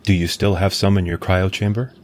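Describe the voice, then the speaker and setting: An actor voicing a thoughtful male android, soft-spoken and reflective. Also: low voice, little pitch movement, a little fast, lightly acted. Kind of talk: radio drama acting.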